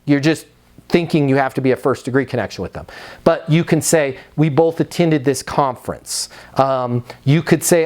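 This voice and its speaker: A man's voice: a little high, darkish tone. An American man coaching on sales in a conversational, instructive way, slipping into acted-out example dialogue.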